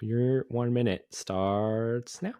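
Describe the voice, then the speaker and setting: A man co-hosting a casual movie podcast, chatty and relaxed, laughing easily as he shares film facts. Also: medium pitch, takes it slowly, clean tone, no echo, studio quality. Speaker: podcast co-host.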